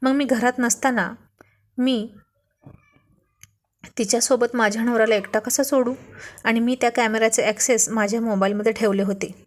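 Woman voicing a sharp young wife, confident, teasing, fairly high voice, storybook reading. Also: fairly even intonation, normal speed, pauses often, lightly acted. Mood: knowing.

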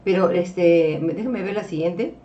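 On a distant, dull-sounding mic, a woman with a mellow, lowish voice speaks a little slowly as she gives a religious lecture over slides. She is a religious teacher who explains patiently, calls her audience beloved brethren, and checks in frequently with "ok?" and "este."

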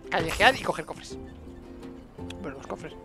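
A young man with a Castilian Spanish accent talks through a game in a chatty, playful way. His voice has plenty of fry and gravel in it. He speaks into a headset, with game music clearly behind him. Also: fairly high pitch, animated, a little slow. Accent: Spanish from Spain. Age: young adult. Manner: chatty, playful self-talk with diminutives. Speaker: video game streamer. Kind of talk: casual gameplay commentary. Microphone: headset microphone.

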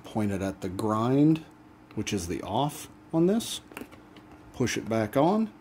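A man hosting a do-it-yourself channel, explaining a repair step by step in a relaxed, casual way as he works at a bench. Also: fairly low pitch, slow, slight background noise. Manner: relaxed step-by-step explaining while working hands-on. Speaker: DIY channel host. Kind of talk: casual how-to demonstration.

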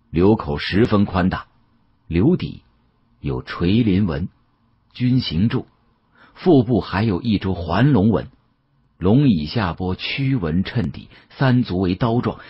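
A man narrating an audiobook as a dramatic storyteller, with an expressive, conversational delivery. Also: lowish voice, breathy edge, highs cut off.

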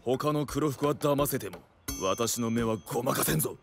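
An actor playing a stern but easily flustered black-suited guard in an anime, clipped and commanding, melodramatic when rattled. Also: male voice, medium pitch, moderate pace, gravelly, music in the background, lightly acted. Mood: stern, menacing. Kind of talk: dramatic Japanese anime acting.

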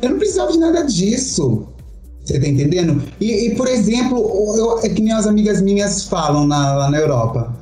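A middle-aged woman with a Brazilian Portuguese accent, a show performer telling her story as an interview guest. She talks in a theatrical, animated way and keeps checking that the listener understands. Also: medium pitch, a little fast, echoey room, soft background music. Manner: animated, theatrical, acts out quotes, keeps asking "you understand?".

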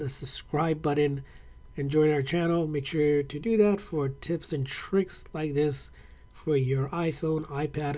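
Male tech host, relaxed mellow voice, easygoing tutorial narration at a desk. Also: on the high side. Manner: casual, friendly, with fillers. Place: indoor desk setup, hands on tablet.

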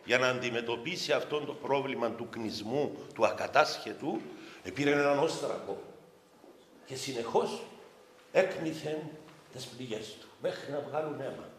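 A man with a Cypriot Greek accent, a bishop giving a sermon in a slow, storytelling manner. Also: medium pitch, a little hiss or hum. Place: chapel during a vigil service. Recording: echoey chapel reverb with faint ambience.

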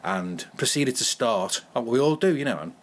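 A man's voice: mid-range voice, lively intonation, moderate pace. A man from the Wirral with a Merseyside accent, a comedian telling anecdotes in a casual chat, laughing often and restarting his sentences. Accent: Merseyside English. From Wirral, England. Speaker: comedian guest.

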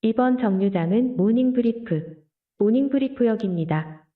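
A woman making a slow, even train station announcement over a loudspeaker. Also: fairly high pitch, very noisy. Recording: tinny, phone-like narrow sound.

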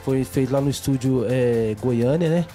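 A man's voice: mid-range voice, moderate pace, mellow, soft background music. A middle-aged man, a guest singer speaking politely and earnestly in a studio on a handheld mic. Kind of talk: casual TV interview. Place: TV studio set.

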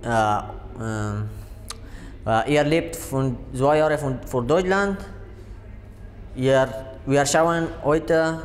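Slow-talking young man. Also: on the high side, long reverb tail. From Afghanistan. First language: Dari. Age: young adult. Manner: halting learner's German, many fillers. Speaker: young reporter.

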